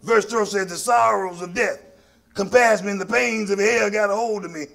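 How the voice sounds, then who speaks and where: A high-pitched, gravelly Black preacher from Mississippi speaks in Southern African American English at a moderate pace with a fairly bright tone. Preaching to his congregation in a call-and-response sermon, he is folksy and emphatic and repeats phrases for effect.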